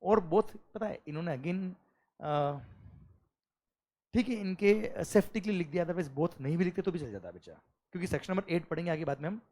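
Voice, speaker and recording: A man teaching a classroom lecture, often asking his students whether things are clear and mixing English phrases into his speech. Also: on the high side. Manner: lively, drills students with repeated questions.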